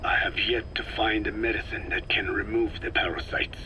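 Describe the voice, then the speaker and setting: A man playing an ancient, grave tribal scientist in a video game cassette tape, speaking slowly in a hushed, whispery, formal way. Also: fairly low pitch, level tone. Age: older. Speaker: scientist giving instructions. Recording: cassette tape with audible hiss.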